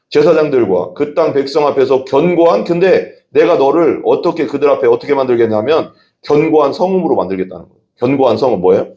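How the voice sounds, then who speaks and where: Korean pastor preaching with lively swings. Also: male voice, mid-range voice. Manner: conversational preaching with rhetorical questions and sudden exclamations. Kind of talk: sermon.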